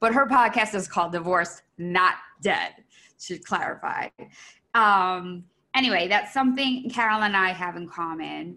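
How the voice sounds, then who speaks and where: At medium pitch and a moderate pace, a woman speaks in a plain, everyday voice with ordinary pitch variation against a quiet background. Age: 40s. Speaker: podcast host. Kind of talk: casual chat.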